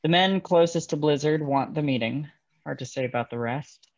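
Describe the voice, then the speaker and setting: A guarded, reluctant informant, acted by a man in a period drama read-through. His mid-range voice is creaky and terse. The recording is dull and lo-fi. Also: fairly high pitch, normal speed, lightly acted. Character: guarded, reluctant young informant among coal miners. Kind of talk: table read of a historical drama script.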